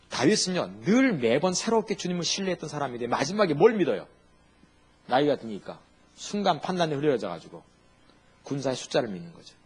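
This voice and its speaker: A male pastor preaching a sermon in an animated, humorous way, full of rhetorical questions. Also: on the high side, breathy edge.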